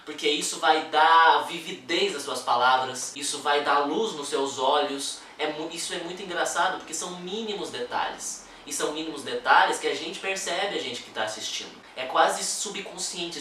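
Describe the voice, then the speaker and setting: A man's voice: on the high side, pushed and bright. A man giving an informal lesson to camera on acting, explaining in a conversational way and often asking rhetorical questions. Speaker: acting teacher. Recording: echoey room, mic at a distance, faint ambient noise.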